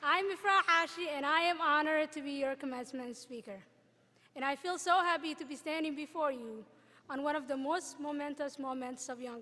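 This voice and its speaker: A young woman from Somalia delivers a graduation address at a podium microphone. Her voice sits high, and her words carry an earnest, measured pace with deliberate pauses. The sound rings out with the long reverb of a large hall. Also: sharp tone. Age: young adult. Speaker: student commencement speaker. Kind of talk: graduation speech.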